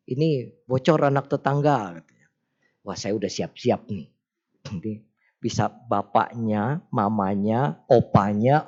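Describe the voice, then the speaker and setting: A middle-aged man, giving a casual Sunday sermon full of anecdotes and quickly acted-out bits of dialogue. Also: mid-range voice, a little mellow, lo-fi sound. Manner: chatty, folksy, acts out dialogue in quick snippets. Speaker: Buddhist teacher giving a Sunday talk.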